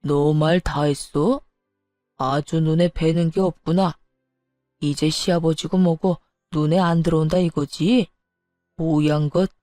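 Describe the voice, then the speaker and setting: A woman voicing a domineering older father-in-law who scolds his daughter-in-law in a low, gruff voice. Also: mellow, no room sound, clean studio sound, lightly acted.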